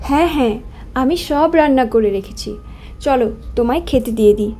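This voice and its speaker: A woman's voice: high voice, fairly quick, warm tone, faint music behind. A woman playing a caring young village daughter in a cartoon, tender and earnest. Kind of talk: cartoon story dialogue.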